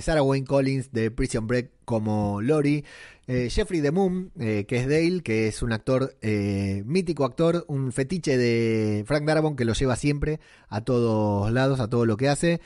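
Un hombre con acento rioplatense argentino que comenta una serie en tono charlado, con muchas muletillas y frases que retoma. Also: male voice, mid-range voice, a little mellow, dry recording, clean studio sound. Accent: Argentine Rioplatense Spanish. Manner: rambling, colloquial, many fillers and restarts. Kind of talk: casual commentary on a TV series.

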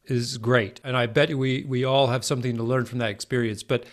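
A man hosting a podcast, reading a measured, formal introduction and then interviewing his guest. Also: mid-range voice, fairly even intonation. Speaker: podcast host.

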